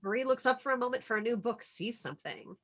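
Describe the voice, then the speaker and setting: A woman's voice: fairly high pitch, expressive, quick pace, a bit bright. A woman reads out stage directions as scripted narration for a screenplay table read.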